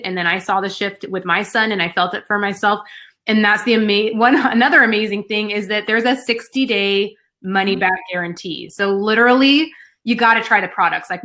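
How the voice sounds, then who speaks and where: A woman's voice: medium pitch, sharp tone. A woman hosting a live video chat, enthusiastic and encouraging, often repeating herself. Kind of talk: upbeat network marketing chat.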